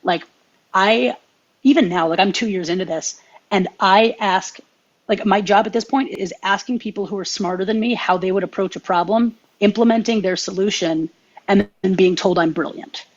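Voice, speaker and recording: A young adult woman co-hosting a podcast, giving earnest, animated advice in casual chat. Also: mid-range voice, normal speed, highs cut off. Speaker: podcast co-host.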